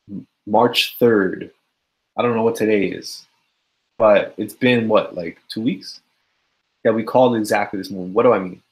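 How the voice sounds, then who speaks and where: A man's voice: lowish voice, poor audio. A man giving a casual live-stream forex chart analysis, sleepy and yawning, talking loosely with many fillers. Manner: casual, filler-heavy, addresses viewers as guys. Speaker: forex trading educator.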